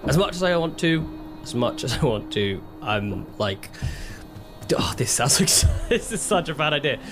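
A man's voice: a little high, very animated, normal speed. A man playing a tabletop roleplaying game, thoughtfully talking through what his character knows and does. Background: music.

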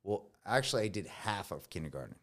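A man with a slight Latino accent, whose first language is Spanish, talks in a very deep, low register. He tells his stories in a relaxed, slangy way, full of fillers, as a guest in a casual interview. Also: quick pace. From United States. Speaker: guest, combat veteran.

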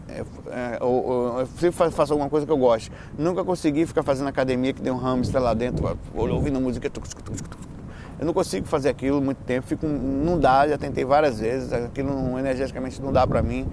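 A man's voice: mid-range voice, brisk. Bahian man chatting casually, noisy background. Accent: Bahian Brazilian Portuguese. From Bahia, Brazil. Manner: colloquial, slangy, playful, with repeated false starts and self-interruptions. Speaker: speaker answering audience questions on spirituality and lifestyle. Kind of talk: casual rambling chat.

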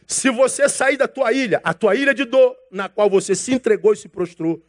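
A man's voice: very high-pitched, animated, normal speed. A man preaching a sermon as a pastor. He talks in a casual, slangy way, calls his listeners brother, and acts out dialogue from his stories.

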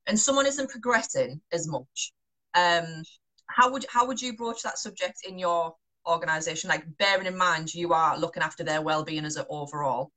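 A woman's voice: low voice, moderate pace, sharp tone, low-quality recording. A young woman interviewing a trainer in a casual chat, asking long, self-correcting questions.

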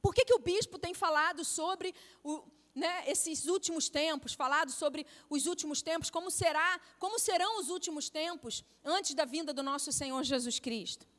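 A middle-aged Brazilian woman preaching a sermon, telling a family story with lively, acted-out quotes. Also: sits high, normal speed. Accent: Brazilian Portuguese. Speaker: pastor's wife preaching. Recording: long hall reverb.

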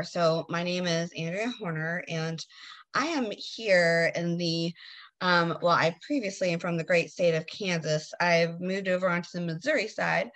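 A woman from Texas, co-hosting a podcast, friendly and halting with lots of um and uh pauses. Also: lowish voice. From Southern US, Texas. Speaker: podcast co-host and author. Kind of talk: casual podcast chat.

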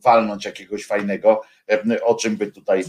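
A man hosting a radio show, talking in a halting, reflective way with many filler sounds between songs. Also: fairly low pitch, level tone, a little mellow. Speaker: radio host.

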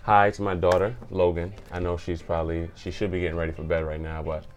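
A man from Jamaica, a community organizer, chatting as an interview guest in an upbeat way, full of shout-outs and laughs. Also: sits low, flat delivery, quick pace, lo-fi sound. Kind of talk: casual interview chat.

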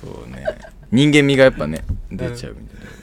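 Quick, lively young man co-hosting. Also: on the low side, creaky, slight background noise. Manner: animated, quick storytelling. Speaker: podcast co-host. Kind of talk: casual radio chat.

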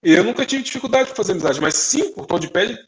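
A man's voice: sits high, fast talker, poor audio. A young adult man from Brazil, co-hosting a casual podcast chat and telling stories, acting out the people in them with quoted voices. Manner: animated, acts out dialogue in quoted voices. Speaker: podcast co-host.

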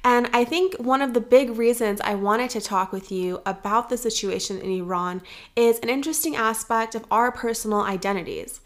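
A young woman hosting a podcast, speaking in an earnest, measured and reflective way. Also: on the high side. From United States. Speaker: podcast host. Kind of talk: scripted podcast commentary.

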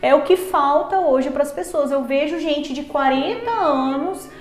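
A woman psychologist chatting on a podcast, blunt and animated, acting out the people she quotes. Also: sits high, a little slow, a little hiss or hum. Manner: animated, blunt, acts out quoted parents and patients. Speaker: psychologist guest. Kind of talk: casual podcast chat. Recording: roomy echo.

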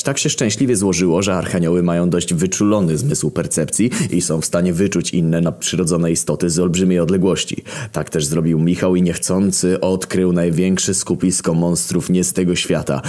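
Deep-voiced young man narrating a crude comedy story. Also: mellow. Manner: brash, profane and sardonic.

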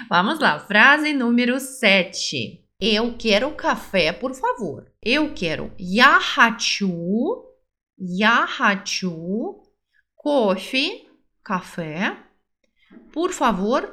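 A woman teaching phrases on a podcast, modelling each one slowly and carefully and repeating it for the listener. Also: on the high side, pushed and bright. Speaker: language teacher. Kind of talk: podcast language lesson.

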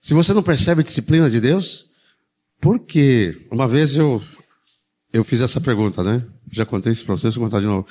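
A man's voice: mid-range voice, fairly quick, darkish tone. A man, preaching an informal sermon in a conversational way, full of tag questions and humorous asides.

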